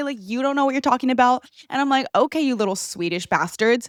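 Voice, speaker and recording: With a Californian accent and a high pitch, a woman speaks at a very fast pace in an animated tone. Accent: Californian American English. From US West Coast, Los Angeles. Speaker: podcast host. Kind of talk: casual chat.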